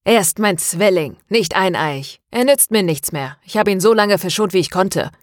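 A woman's voice: low voice, expressive, normal speed, a little mellow, dry recording, studio quality. A woman voicing a deranged captive man who hisses venomous threats, in an audiobook. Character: menacing deranged man, tied up, taunting.

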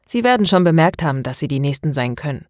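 A woman voicing a calm, rational young male student in an audiobook, matter-of-fact and dismissive. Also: sits low, quick pace, dry recording, studio quality. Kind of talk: dramatized audiobook dialogue.

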